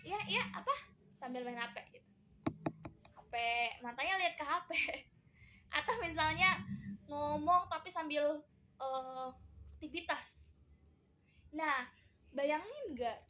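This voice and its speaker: An Indonesian woman counselor talking casually about parenting teenagers, chatty and acting out quoted lines in lively voices. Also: high voice, slight background noise. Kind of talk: casual talk on parenting teens.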